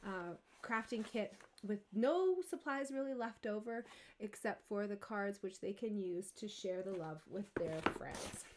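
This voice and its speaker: A woman's voice: mid-range voice, darkish tone. A woman in her thirties giving a casual, chatty craft demonstration as a stamping club host. She sounds enthusiastic and laughs easily.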